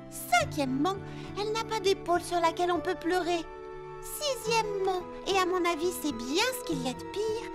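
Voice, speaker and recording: A sweet, earnest cartoon girl with an extremely high voice. Her delivery is expressive and emphatic, made for a children's show. Prominent music runs underneath. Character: sweet, earnest young cartoon girls in a fruit-themed town. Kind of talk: French-dubbed children's cartoon acting. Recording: loud music behind the voice.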